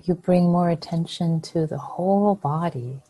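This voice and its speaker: Low, breathy woman guiding a slow meditation. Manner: soft, soothing, with long pauses. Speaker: meditation teacher.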